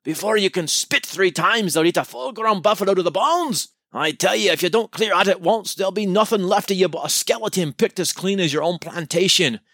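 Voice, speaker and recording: A man's voice: high voice, expressive, fairly quick, few pauses, a bit bright, no room sound, clean studio sound, pitched above the performer's own voice, exaggerated voice. A man doing a frantic Scottish district commissioner. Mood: urgent warning. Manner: dramatic, urgent warnings. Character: alarmed male district commissioner, grim warner.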